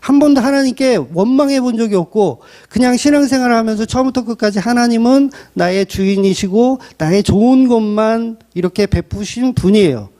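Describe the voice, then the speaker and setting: A man preaching a sermon as pastor, blunt and colloquial, acting out quotes in a lively way. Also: very high-pitched, a little fast, few pauses.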